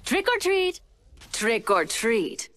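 A mischievous female gunsmith from a video game. She teases in a fairly high, swooping voice and stretches her words out very slowly. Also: sing-song, a bit bright, full character voice. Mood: playful, teasing.

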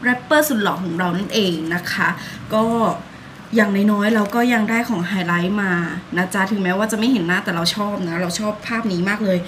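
A woman's voice: medium pitch, brisk, a bit bright, a little hiss or hum. A young woman chatting politely and gushing like a fan in a casual vlog, filmed on a phone held at arm's length while she walks outdoors and sits in a café. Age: young adult. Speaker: vlogger. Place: outdoors on a city street and in a café. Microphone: phone camera held at arm's length.

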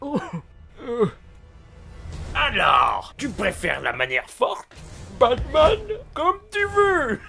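A man's voice: extremely high pitch, big pitch swings, gravelly, sharp tone, faint music behind, exaggerated voice. A man playing a manic, sadistic clown supervillain in a video game fan dub, taunting and theatrical. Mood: gleeful, taunting. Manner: taunting, drawn-out, swooping delivery.

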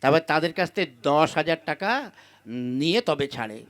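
A man's voice: on the high side, lively intonation, a little fast, a bit bright. A man playing a nervous but indulgent husband in a puppet-show comedy, talking cautiously and explaining himself. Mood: wary. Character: nervous, indulgent husband wary of being seen. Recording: music under the dialogue.

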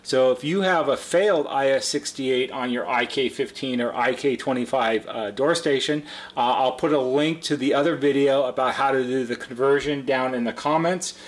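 A man's voice: medium pitch, normal speed. A middle-aged man presenting an unscripted how-to demonstration at a workbench, explaining step by step in a plain-spoken way like a repair technician. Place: indoor workshop at a workbench.

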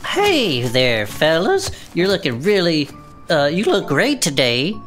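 A woman player trades casual in-character banter at a tabletop game. Her voice is low and animated over faint music. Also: slow pace.

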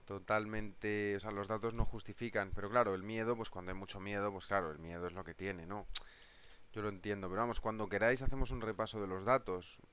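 A middle-aged man with a Spain Spanish accent hosts a live trading stream, bantering with viewers and chuckling as he reads their comments aloud. His voice sits on the lower side and comes across smooth and resonant. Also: steady tone, brisk, fairly bright tone. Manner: chatty, jokey, reads viewer comments aloud and laughs often. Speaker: trading webinar host.

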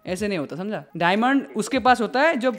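A man's voice: high voice, lively intonation, brisk, fairly bright tone. A man in his twenties with an Indian accent, chatting casually as a gaming YouTuber into a close studio microphone. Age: 20s. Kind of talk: casual prank-call chat. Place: small gaming room indoors. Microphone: boom-arm studio microphone up close.

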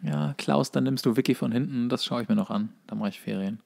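A man's voice: medium pitch, quick pace, creaky, a little mellow. A man in his thirties co-hosting a podcast in casual, rambling chat, with a dry, tongue-in-cheek manner. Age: 30s. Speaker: podcast co-host.

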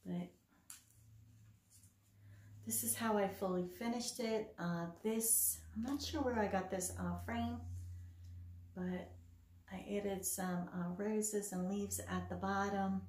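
A woman's voice: medium pitch, steady tone, slow pace, pauses often, darkish tone, echoey room. A middle-aged woman chatting casually and enthusiastically as she shows her cross stitch projects, with a self-deprecating humor. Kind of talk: casual show-and-tell chat. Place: home craft room.

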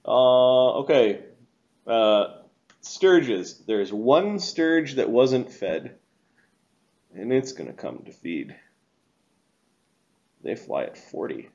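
A man's voice: medium pitch, very animated, very slow, creaky, pauses often, darkish tone. Game master, man in middle age, casual narration, slightly dull online-call sound. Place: indoor room, video call.

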